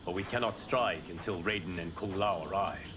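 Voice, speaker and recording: A man playing a solemn, wise protector-god in a video game, with a formal, grave, measured delivery. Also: sits low, fairly bright tone, slight background noise. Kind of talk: dramatic video game acting.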